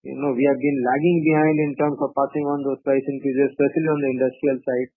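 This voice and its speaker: A man presenting quarterly results on an earnings call, measured and full of "uh" and "you know". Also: medium pitch, level tone. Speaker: company executive presenting results. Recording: tinny phone-line audio, dry.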